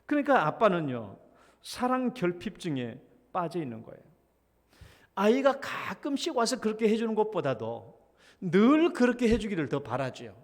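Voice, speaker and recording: A middle-aged senior pastor preaches in a church sanctuary, his high, sing-song voice moving at normal speed with a long reverb tail. He tells a story, playing both a child's pleading and his own pretended reluctance.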